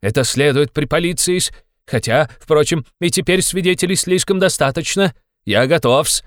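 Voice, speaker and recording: A man's voice: on the high side, normal speed, no echo, clean studio sound, pitched above the performer's own voice, natural voice. A man voicing a pompous, fussy middle-aged official who adds old-fashioned deferential endings to his words. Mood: pompous reproach.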